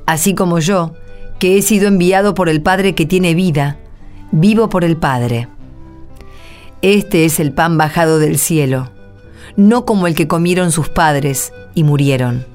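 Low-pitched Argentine woman presenter, music behind. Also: unhurried, darkish tone. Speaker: presenter and reader of a religious radio drama. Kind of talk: scripted radio drama and scripture reading.

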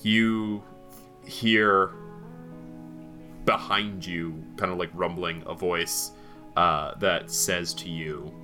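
A man's voice: sits low, steady tone, drawn-out words, pauses often, sharp tone, faint music behind. A man running a tabletop game as game master, narrating loosely with many fillers.

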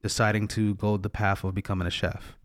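Low-voiced male podcast host, dry sound. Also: flat delivery, a little fast, dry recording. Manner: encouraging, frequent backchannel murmurs. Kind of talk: casual interview.

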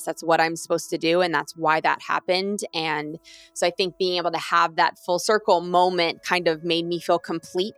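A woman in her thirties, a retired athlete, telling her story candidly and earnestly, often restarting phrases and turning lively when she quotes others. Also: on the low side, clear, resonant tone, no room sound.

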